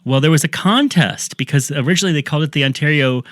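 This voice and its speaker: A man's voice: a little high, fast, a bit bright, no echo, clean studio sound. A man hosting a podcast, telling a story in casual chat with jokey asides. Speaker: podcast host.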